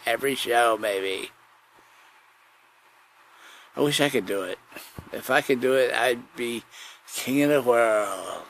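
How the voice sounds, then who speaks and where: A man's voice: medium pitch, a bit bright, poor audio. A man hosting a podcast with a rambling comic monologue, often repeating his phrases. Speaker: podcast host. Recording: noticeable background noise.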